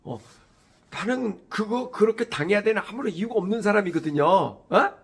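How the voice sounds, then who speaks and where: A man's voice: high-pitched, normal speed, creaky, slightly rough. A middle-aged man hosting a morning broadcast, talking animatedly and acting out quoted voices. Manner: animated, acts out quoted voices, frequent "예" fillers. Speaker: host.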